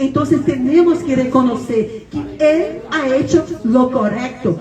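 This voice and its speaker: Over noticeable background noise and audible room echo, a woman speaks in a high voice with lively intonation. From Brazil. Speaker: sociology professor. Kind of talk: conference talk. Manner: emphatic.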